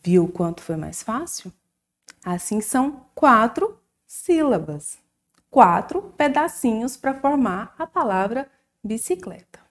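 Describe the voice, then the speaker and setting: A woman teacher with a Brazilian accent giving a recorded lesson to young children, slow and sing-song, drawing out syllables. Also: fairly high pitch, sing-song. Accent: Brazilian Portuguese.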